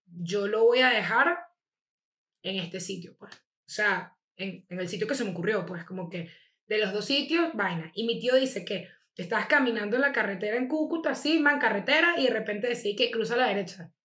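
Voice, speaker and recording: A young Venezuelan woman telling a wild family story in fast, slangy casual chat, acting out the people she quotes. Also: medium pitch. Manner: fast, slangy, animated retelling with acted quotes. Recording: echoey room.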